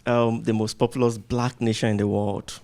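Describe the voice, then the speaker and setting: Mid-pitched man with a Nigerian accent. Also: little pitch movement, moderate pace, dark tone. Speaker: fellowship participant. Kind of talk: spontaneous remarks in a group discussion.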